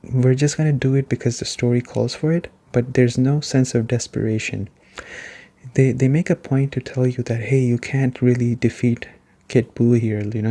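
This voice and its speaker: A soft-spoken man giving a relaxed, rambling ASMR game review, conversational and repeating points for emphasis. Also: mid-range voice.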